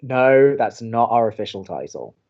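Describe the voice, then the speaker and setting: A man's voice: mid-range voice, very animated, moderate pace, muffled recording. A man playing a dry, skeptical, awkward young college radio co-host in an audio drama. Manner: dry, hesitant.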